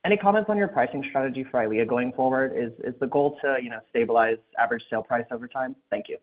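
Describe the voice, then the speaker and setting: A man's voice: mid-range voice, fast talker. A man asking a question as a financial analyst on an earnings call. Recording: tinny phone line.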